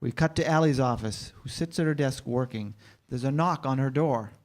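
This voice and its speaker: A man's voice: medium pitch, moderate pace, a little mellow. A man giving scripted narration, reading out stage directions at a staged screenplay reading.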